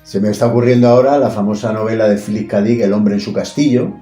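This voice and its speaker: A man's voice: fairly low pitch, fast talker, mellow, reverberant, soft background music. A man hosting a casual chat about books, asking questions and thinking aloud. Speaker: host.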